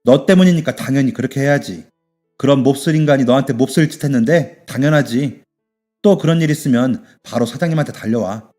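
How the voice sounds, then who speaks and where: A man as a gruff fatherly shoe shop boss. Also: medium pitch, brisk, dark tone, soft background music, natural voice. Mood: gruff caring. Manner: blunt, scolding but kind. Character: gruff, fatherly middle-aged male shoe shop owner.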